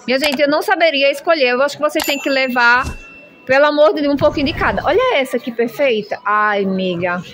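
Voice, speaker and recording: A woman's voice: sits high, expressive, quick pace, a bit bright, slight background noise. A woman filming a chatty, gushing shopping vlog, showing clothes in a shop. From Brazil. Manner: gushing, chatty, constant "minha gente". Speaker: shopping vlogger. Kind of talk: enthusiastic product showcase. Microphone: handheld phone camera.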